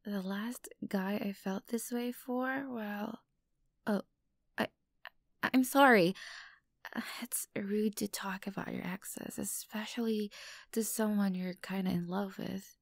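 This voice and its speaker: A woman's voice: medium pitch, steady tone, dry recording, studio quality. A woman playing an obsessive, unstable young stalker girlfriend in an intimate ASMR roleplay, sweet and menacing by turns. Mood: nervous coaxing. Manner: breathy whispers, halting, swinging from coaxing to outbursts. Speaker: voice actor in audio roleplay.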